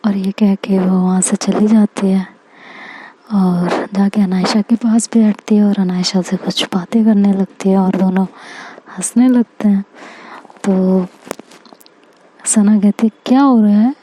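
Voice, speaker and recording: A woman narrating a romantic audio story, slow and soft, often slipping into whispers. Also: medium pitch, level tone, breathy edge, low-quality recording.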